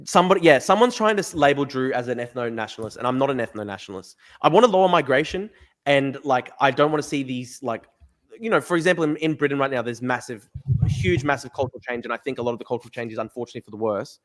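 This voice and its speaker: An Australian man hosting a live-stream podcast, talking rapidly and emphatically with lots of fillers and restarts. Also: mid-range voice, expressive. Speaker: podcast host. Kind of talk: live stream chat, reading viewer comments.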